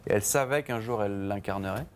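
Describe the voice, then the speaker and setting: A man's voice: lowish voice, quick pace, clear, resonant tone. A man, a band's songwriter, talking casually in a TV interview, hesitant, with many fillers and restarts. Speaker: band songwriter, interview guest. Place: TV studio.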